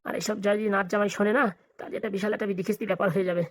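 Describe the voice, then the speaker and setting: Woman playing a fast, blunt old village grandpa. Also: mid-range voice, fairly even intonation, slight background noise, close to an everyday voice. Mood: suspicious, plotting. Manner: scolding, blunt, colloquial. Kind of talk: comic cartoon dialogue.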